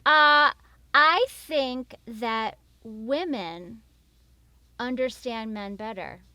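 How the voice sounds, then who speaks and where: A woman's voice: a little high, extremely slow, pushed and bright, no room sound. A woman co-hosting in casual banter, teasing and playfully bossy. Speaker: co-host.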